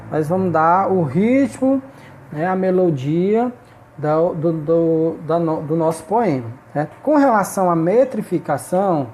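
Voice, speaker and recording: A woman with a fairly low, darkish voice teaches a recorded online class, with a little hiss or hum in the audio. She walks through the lesson step by step, explaining as she goes and checking in constantly with tags like "né?" and "ok?".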